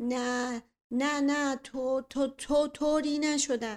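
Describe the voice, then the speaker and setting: A woman's put-on character voice, high-pitched, shaky and flat in a monotone. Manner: stuttering, broken words.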